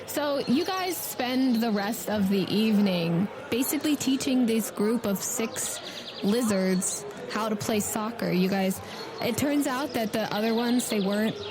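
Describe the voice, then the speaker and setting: A woman's voice: fairly high pitch, animated, measured pace, background noise. A woman game master narrating a tabletop game in a casual, conversational style.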